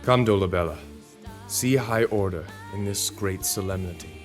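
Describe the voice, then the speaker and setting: An actor playing a grave, commanding Roman ruler, speaking formal, measured verse in a Shakespearean audio drama. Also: male voice, deep voice, over loud music, lightly acted. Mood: solemn, commanding.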